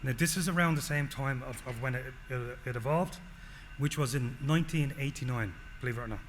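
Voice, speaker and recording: A man's voice: medium pitch, brisk. Irish man presenting in a hall. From Ireland. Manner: explanatory, frequent "okay?" check-ins. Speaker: solutions engineer presenting. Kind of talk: conference presentation. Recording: long hall reverb, faint noise.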